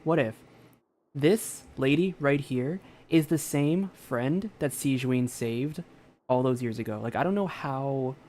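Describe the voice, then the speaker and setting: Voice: medium pitch, warm tone. A streamer giving casual, rambling commentary while playing through a game. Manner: rambling, speculative.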